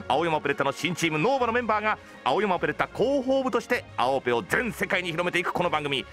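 A man hosting a radio show from a studio, polite and upbeat, with lively banter. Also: high-pitched, very fast, soft background music. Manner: animated, polite.

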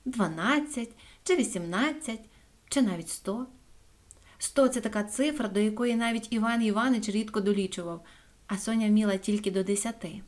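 A woman narrating a children's fairy tale in a gentle, expressive storybook voice. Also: medium pitch, moderate pace.

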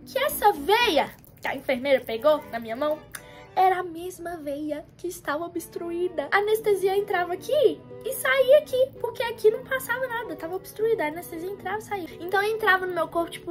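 A woman's voice: extremely high pitch, expressive, fairly quick, soft background music. A young woman vlogger dramatically retelling a personal story to her viewers, acting out what people said. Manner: dramatic, retells scenes in quoted voices; addresses viewers as "galera" and "gente". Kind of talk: animated storytime vlog.

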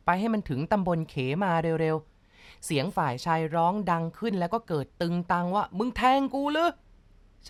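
A woman narrating a ghost story in a measured, dramatic storytelling manner. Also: fairly low pitch, dry recording.

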